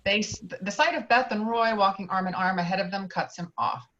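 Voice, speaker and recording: A woman's voice: mid-range voice, fairly quick, fairly bright tone, lo-fi sound. A woman reading out stage directions as scripted narration of a screenplay.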